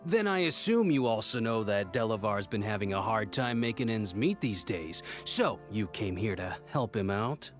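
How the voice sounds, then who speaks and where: An actor playing a sly, falsely jovial tavern regular in a video game, with a mock-friendly, drawn-out way of talking. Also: male voice, fairly low pitch, big pitch swings, soft background music. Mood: smooth, agreeable.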